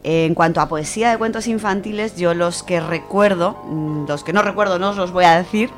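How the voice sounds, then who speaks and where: A woman with an accent from Spain, chatting casually and reading verse as a radio contributor. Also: fairly low pitch.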